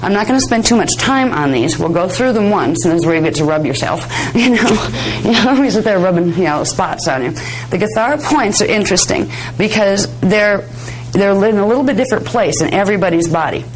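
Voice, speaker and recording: A woman with a slightly hoarse, raspy voice giving an informal workshop lecture in a chatty, conversational manner. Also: medium pitch, lively intonation, fairly quick, few pauses, soft background music, rough recording. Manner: conversational, chatty, self-deprecating asides. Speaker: workshop instructor. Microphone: worn or held microphone close to the face.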